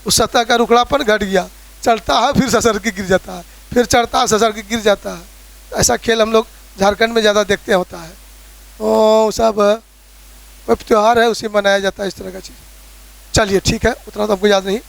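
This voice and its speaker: A man with a strikingly high voice gives a physics lecture in Hindi with a Bihari accent. He explains in a conversational way, uses homely examples and keeps checking that his students are following. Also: fairly even intonation, moderate pace, creaky. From Bihar, India. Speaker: physics teacher. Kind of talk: classroom lecture.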